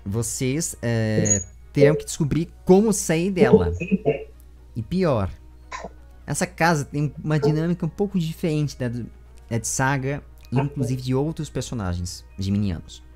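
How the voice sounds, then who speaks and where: A man in his twenties with a Brazilian accent, hosting a casual interview in an animated, rambling way, speaking into a close desk microphone at home. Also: medium pitch, moderate pace, faint music behind. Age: 20s. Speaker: interviewer and show host. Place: small room with bookshelves at home. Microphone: large desk microphone with foam windscreen, close.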